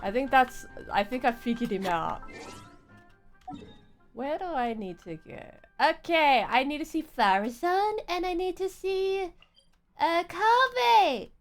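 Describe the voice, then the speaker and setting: A woman's voice: high voice, animated, slow pace, faint music behind. A woman chatting casually on a gaming livestream, playful and often repeating her phrases. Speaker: game streamer.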